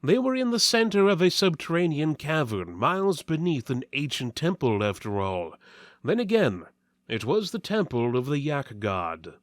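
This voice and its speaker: A man narrating a mock-epic fantasy tale as a dramatic reading, theatrical and solemn with deliberate emphasis. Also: on the high side, very animated, no room sound, clean studio sound. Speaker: story narrator.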